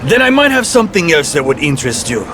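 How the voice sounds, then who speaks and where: Sly black-market dealer, Spanish accent, lively melodic wheedling, game cutscene, faint background noise. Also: male voice, a little high, fast talker. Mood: pleased, oily. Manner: wheedling salesman's patter peppered with Spanish. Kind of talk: video game cutscene acting.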